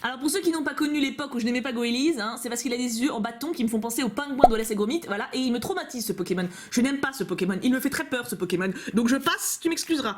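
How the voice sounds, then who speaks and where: A woman's voice: on the high side, rapid-fire, hardly any pauses, noisy background. A young woman vlogging at home, chatting playfully as she opens fan-made cards, recorded on a camcorder. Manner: gushing, playful, chatty with frequent laughs. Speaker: YouTuber opening fan mail. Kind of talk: casual unboxing chat.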